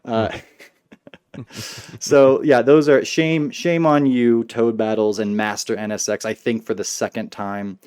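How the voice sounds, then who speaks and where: A man's voice: mid-range voice, fairly even intonation, a little slow, darkish tone, smooth. A man co-hosting a casual gaming podcast, joking and trash-talking rage quitters. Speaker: podcast co-host.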